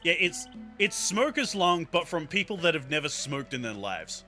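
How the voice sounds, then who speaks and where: Bright-voiced joking male streamer. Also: on the high side, sing-song, normal speed, faint music behind. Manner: joking, reads on-screen text aloud, laughs often. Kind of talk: casual let's-play commentary.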